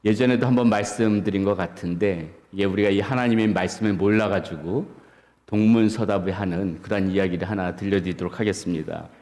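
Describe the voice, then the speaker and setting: Male pastor, low voice, sermon with relaxed storytelling, church-hall echo. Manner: storytelling with humorous anecdotes, unhurried. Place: church sanctuary. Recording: long church-hall reverb.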